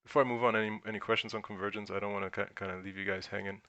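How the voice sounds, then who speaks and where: Stream host, German-born man, German first language, low and gravelly, thinks aloud while answering the chat. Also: little pitch movement, very fast, bright, forceful tone, no echo, muffled recording. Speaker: crypto livestream host. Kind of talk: casual livestream Q&A.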